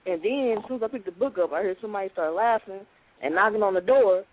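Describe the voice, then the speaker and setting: A man's voice: high voice, quick pace, no room sound. A man calling in and telling a story in a rambling, earnest way, acting out what people said. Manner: earnest, rambling, acts out quotes. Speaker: caller. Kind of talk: casual storytelling. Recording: tinny phone line with faint hiss.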